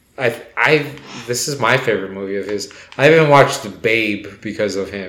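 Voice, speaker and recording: A fairly low-pitched man at a moderate pace, with ordinary pitch variation and audible room echo. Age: 30s. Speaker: movie review podcast co-host. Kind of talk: casual chat.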